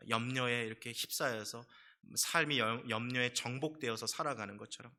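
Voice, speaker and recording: Male pastor, middle-aged, sermon delivery; bright, forceful tone, storytelling with emphatic peaks. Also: medium pitch. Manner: storytelling with acted quotes, emphatic rises. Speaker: senior pastor.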